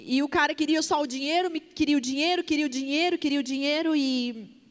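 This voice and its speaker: A woman pastor with a high voice tells a story in a sermon, speaking briskly. She's emotional and vivid and acts out the dialogue, with long hall reverb on the recording.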